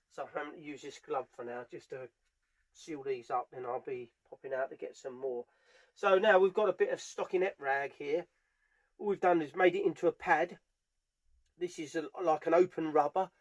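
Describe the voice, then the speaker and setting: Narrating a relaxed hands-on tutorial, a higher-voiced British man who polishes furniture walks through the job at a moderate pace. A camera mic on a tripod records him from varying distances.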